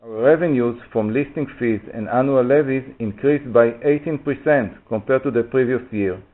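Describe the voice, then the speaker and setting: A man's voice: medium pitch, normal speed. A man giving a formal, orderly scripted presentation of financial figures on a conference call. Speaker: finance executive presenting results. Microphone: conference call phone line. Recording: tinny, narrow phone line.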